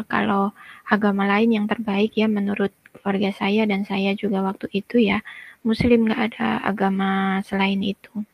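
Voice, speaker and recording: Gravelly woman in her thirties, flat-voiced. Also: mid-range voice, no echo, lo-fi sound. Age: 30s. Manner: conversational, frequent fillers, addresses listeners as brothers and sisters. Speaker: testimony guest. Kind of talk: personal testimony.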